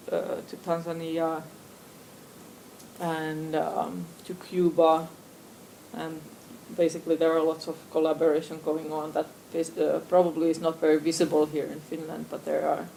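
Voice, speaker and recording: A woman with a gravelly voice talks on a symposium panel in a loose way, restarting her phrases. Her intonation stays flat. Faint noise hums under her voice. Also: low-pitched, low-quality recording. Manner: loose, with restarts and trailing fillers. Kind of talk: panel discussion talk. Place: symposium hall.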